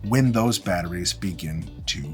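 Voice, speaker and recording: A man's voice: low-pitched, normal speed. A man presenting an instructional gear demonstration in an informal, explanatory way with emphatic phrasing. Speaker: presenter of a film-gear tutorial. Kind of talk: instructional product demonstration with casual asides. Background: background music.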